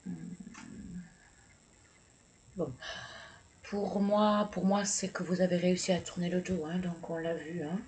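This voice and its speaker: A man reading tarot and oracle cards for viewers, talking slowly and hesitantly with many fillers, and encouraging and congratulating the listener. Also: high voice, level tone, darkish tone, low-quality recording. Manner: slow, hesitant, with many fillers and repeated words. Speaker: tarot and oracle card reader. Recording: clear background noise.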